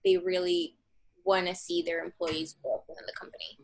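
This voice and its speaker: Speaking briskly with vocal fry, this young woman from Mexico has a mid-range voice that swings widely in pitch. As a coaching client offering a testimonial, she answers interview questions casually and chattily, filling them with "like" and "um."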